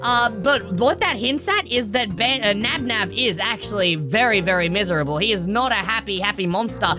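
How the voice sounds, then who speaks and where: A woman's voice: mid-range voice, lively intonation, normal speed. A woman hosting game lore commentary in a musing, explanatory manner. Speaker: video host. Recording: music under the voice.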